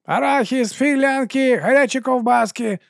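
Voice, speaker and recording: A man voicing a shifty street vendor who talks in a loud, wheedling sales patter. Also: high-pitched, lively intonation, a little fast, creaky, dry recording, clean studio sound, voice pushed up, full character voice. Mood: hawking. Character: shifty pushy male street sausage vendor.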